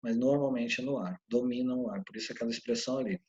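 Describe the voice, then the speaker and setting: A man's voice: medium pitch, fast, darkish tone, dull audio. A male English teacher gives a recorded online lesson, explaining step by step and often checking in with his students.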